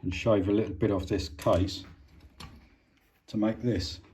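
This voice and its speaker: A man's voice: on the low side, fairly even intonation, unhurried, dark tone, slight background noise. A British man giving a casual hands-on repair demonstration, informal and a bit hesitant as he thinks aloud while working. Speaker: hobbyist presenter of an electronics repair.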